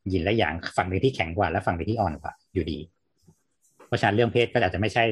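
Male podcast host, husky and fast, chatty explainer. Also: sits low, dry recording, clean studio sound. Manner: explains with a rapid, chatty flow. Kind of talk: casual podcast chat.

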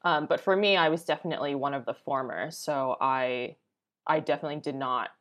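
Podcast guest: American woman, low register, chatty first-person storytelling with acted-out quotes. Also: a little fast, a bit bright. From Boston, United States. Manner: conversational, often uses "like", acts out quoted remarks. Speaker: podcast guest, travel blogger. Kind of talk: casual personal storytelling in interview.

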